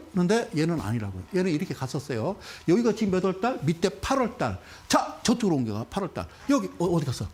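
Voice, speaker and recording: A man giving an animated stock investment lecture, teasing the audience with rhetorical questions and repeating key words for emphasis. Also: high-pitched.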